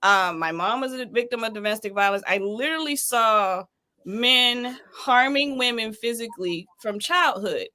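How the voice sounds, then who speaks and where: A woman's voice: fairly high pitch, moderate pace. A woman in her late forties hosting a casual live chat, telling stories in an emphatic, colloquial way. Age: 40s. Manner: animated, emphatic storytelling with colloquial asides. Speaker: podcast host.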